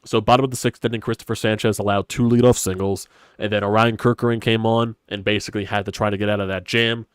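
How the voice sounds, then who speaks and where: Brief: stuffy-nosed young male stream host, low voice, dry close sound, rambling and opinionated. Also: flat delivery, fast talker, clear, resonant tone, no echo. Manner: rambling, opinionated, swears casually. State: congested, stuffy nose. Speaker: sports podcast host. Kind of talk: casual solo sports talk stream. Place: hot stuffy room at home.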